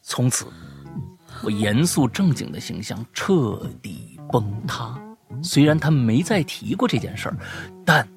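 An excitable man hosting a casual storytelling podcast, his pitch leaping up and down as he reads. He often stumbles and repeats words when he gets worked up, and faint music plays underneath. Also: a little slow, creaky. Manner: lively, stammering, repeats himself when excited. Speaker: podcast host reading listener stories.

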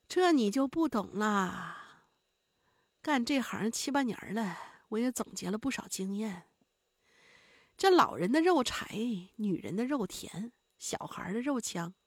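Casting: a woman as a sly, sneering cannibal woman. She speaks low and drawn out, with a lively lilt and a dry, close sound. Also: dry recording, full character voice.

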